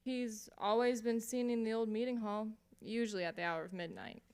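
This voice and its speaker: An actress playing a helpful, earnest village sheriff in a radio mystery play. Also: female voice, fairly high pitch, fairly even intonation, normal speed, a little mellow, smooth, natural voice. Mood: obliging. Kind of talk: old-time radio mystery acting.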